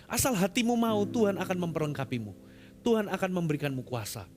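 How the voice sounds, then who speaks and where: A man preaching a sermon as pastor, swinging between loud emphatic lines and hushed, quiet ones. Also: high-pitched, lively intonation, fast talker, over music.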